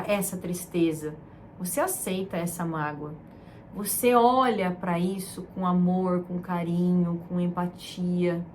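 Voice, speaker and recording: A woman from Brazil hosting a self-help talk, speaking in a soft, soothing, emotive way that repeats words. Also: lowish voice, slight background noise. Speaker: self-help channel host. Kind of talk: gentle motivational talk.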